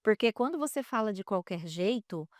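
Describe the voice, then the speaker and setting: A Brazilian woman who is a guest expert on child development, speaking in an interview and telling stories with animated, acted-out dialogue. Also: medium pitch, moderate pace, dry recording, clean studio sound. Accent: Brazilian Portuguese. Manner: animated storytelling, acting out quoted dialogue. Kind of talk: interview conversation.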